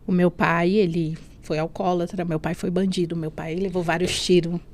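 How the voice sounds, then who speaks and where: A woman's voice: lowish voice, little pitch movement, moderate pace, a little mellow, slight background noise. A woman from Brazil telling her personal faith testimony as a podcast guest, earnest and emotional, often adding "né?". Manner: earnest, often adds "né?" and "assim".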